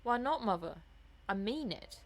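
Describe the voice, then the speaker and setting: Lady doing a gruff clumsy lad, grumbly and blunt but kind, novel reading. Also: medium pitch, animated, unhurried. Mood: blunt, resentful. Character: gruff, good-natured, clumsy working lad. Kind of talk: audiobook character voice.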